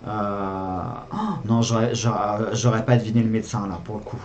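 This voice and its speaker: A man's voice: lowish voice, level tone, normal speed, a little mellow, a little hiss or hum. A man hosting a gaming video, giving casual commentary on a board game as he plays, thinking aloud with hesitations and repeats.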